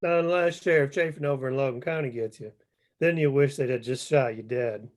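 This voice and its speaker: A man's voice: mid-range voice, a little fast, darkish tone, natural voice. A man playing a grim, hard-bitten, wary coal miner in a screenplay table read, with a folksy, dour manner. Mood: warning.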